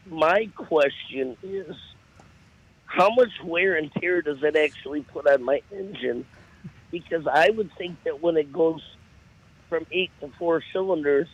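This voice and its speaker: A woman with a deep, raspy voice calling in to a radio show, a little groggy. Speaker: caller. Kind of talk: call-in chat. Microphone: phone. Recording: muffled phone line.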